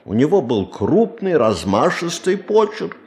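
Slow, sardonic bank official. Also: male voice, a little high, big pitch swings, darkish tone, slight background noise. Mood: fussy, polite. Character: skeptical, condescending male bank official, dismissive and businesslike. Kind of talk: theatrical audio drama acting.

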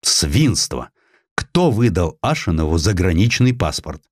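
A man's voice: low voice, big pitch swings, unhurried, husky, no echo, clean studio sound, full character voice. A man voicing an imperious, indignant Tsar in an audiobook, curt and authoritative in his delivery. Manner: curt, authoritative exclamations and orders.

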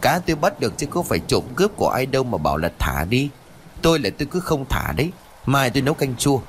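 Narrator doing a headstrong elderly grandma, raised and sharp, story reading. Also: male voice, mid-range voice, sing-song, fast talker, slight background noise, voice pushed up, lightly acted. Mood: defiant. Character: stubborn older village grandmother.

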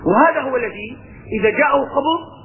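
A man's voice: very high voice, lively intonation, brisk. A man with a Levantine Arabic accent teaching a religious lesson. He mixes colloquial talk with recited verses and asks his listeners rhetorical questions. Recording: tinny phone-like lo-fi recording.

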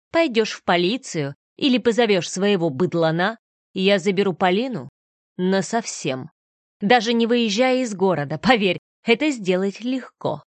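A woman voicing a cold, menacing man who threatens his former partner with slow, sneering words, in a storybook reading. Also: medium pitch, no echo, natural voice.

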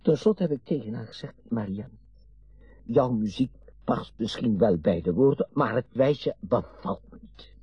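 An actor in his sixties playing a garrulous, meddling, wistful retired father in a radio play, rambling and halting, with sudden emphasis. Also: medium pitch, lively intonation, husky, no echo, muffled recording, soft background music. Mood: bitter, exasperated. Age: 60s. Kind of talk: naturalistic radio drama acting.

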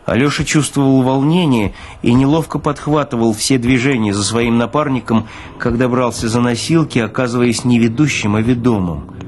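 A man, an actor, reads a literary story aloud in an expressive narrating style. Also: medium pitch, moderate pace, a little hiss or hum.

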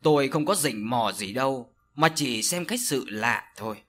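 A man voicing an older village sorcerer who speaks slowly and solemnly in an audio story. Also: mid-range voice, expressive, fairly bright tone, pitched below the performer's own voice. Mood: grave. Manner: slow, solemn, scolding. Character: older male village sorcerer, stern and grave.

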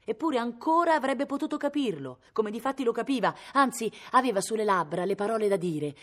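A woman's voice: on the high side, animated, a little fast. A woman from Italy reading a novel aloud expressively, her voice rising with the drama. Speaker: reader.

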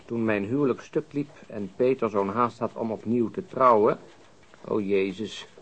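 A man's voice: fairly low pitch, normal speed, fairly bright tone. Blunt, sardonic policeman, muffled sound. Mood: casual, reading. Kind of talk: radio crime drama acting.

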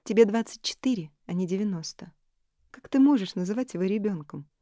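A woman reading an audiobook, voicing a lively, teasing young married woman who is insistent and hungry for gossip. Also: mid-range voice, a little fast, no room sound, clean studio sound, pitched above the performer's own voice, lightly acted.

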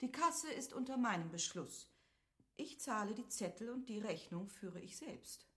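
A woman's voice: a little high, sing-song, moderate pace. An actress playing a practical, composed aristocratic lady in a literary radio drama, speaking formally and firmly. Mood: firm, self-assured.

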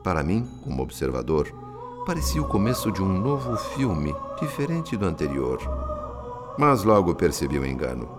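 A Brazilian actor playing a calm, compassionate male spirit who narrates a radio drama in a solemn, deliberate, literary manner. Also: deep voice, over loud music. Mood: solemn, reflective.

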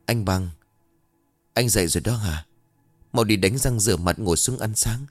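A man's voice: lowish voice, normal speed, no echo, soft background music, lightly acted. A man reading the lines of a grieving middle-aged mother who has lost touch with reality, in a sing-song, doting way, in a spoken ghost story. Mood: eerily cheerful. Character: grieving middle-aged woman, eerily cheerful, unhinged.

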